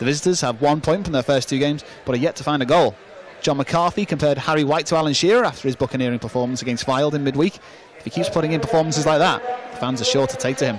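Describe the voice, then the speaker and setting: Over noticeable background noise, a man with a fairly high voice speaks in an energetic tone at a very fast pace, with ordinary pitch variation. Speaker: football commentator. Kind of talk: live football match commentary, fluent scene-setting play-by-play. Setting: stadium commentary over match footage. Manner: fluent, brisk and energetic, reacting to each touch and chance; clear and informative, with some scene-setting background detail.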